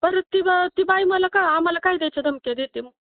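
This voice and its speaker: A woman's voice: very high voice, fast talker, no room sound. A woman from Maharashtra calling over the phone to ask for help, pleading and upset, often ending her points with a questioning tag. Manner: pleading, tearful, keeps adding questioning tags. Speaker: caller asking for help. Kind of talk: phone call complaint. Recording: tinny dry phone line.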